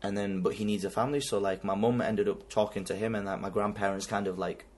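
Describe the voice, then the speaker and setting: Man in his twenties, Urdu first language, husky, lowish voice, slangy animated storyteller. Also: fast talker. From Pakistan. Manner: animated slangy storytelling, heavy use of "like" and "bro". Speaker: podcast host. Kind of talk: casual chat.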